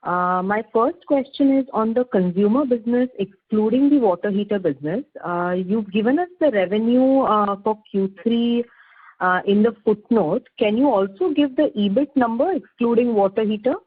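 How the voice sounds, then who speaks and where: A woman's voice: a little high, moderate pace, husky. A woman asking questions as an investor on a formal conference call, wordy and hesitant in her phrasing. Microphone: phone. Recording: muffled narrowband phone line.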